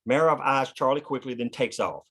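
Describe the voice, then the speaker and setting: A man's voice: mid-range voice, moderate pace, a bit bright, slightly rough. A man narrating scripted action and scene headings at a screenplay table read. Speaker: narrator reading stage directions.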